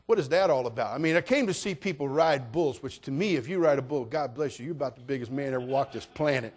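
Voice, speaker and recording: A middle-aged man preaching a sermon as pastor, folksy and joking, building up to shouted passages. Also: mid-range voice, quick pace, slightly rough.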